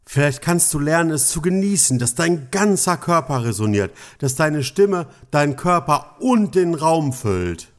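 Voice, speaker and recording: A man hosting a voice-training podcast, speaking to the listener in a calm, encouraging way with resonant, articulate delivery. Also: mid-range voice. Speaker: voice coach podcast host. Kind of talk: instructive podcast monologue.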